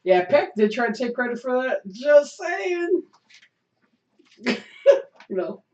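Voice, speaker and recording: A hoarse man co-hosting a webcast, chatting casually and teasing with jokes. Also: extremely high pitch, big pitch swings, takes it slowly, a little mellow. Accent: Chicago. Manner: joking, teasing banter. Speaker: podcast co-host. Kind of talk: casual chat. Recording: echoey room, dull lo-fi sound.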